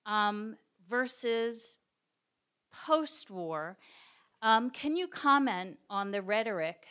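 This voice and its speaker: A woman's voice: a little high, expressive, slow, a bit bright, clear, resonant tone. A woman in a lecture audience asking a long question carefully and hesitantly, with many fillers. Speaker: audience member.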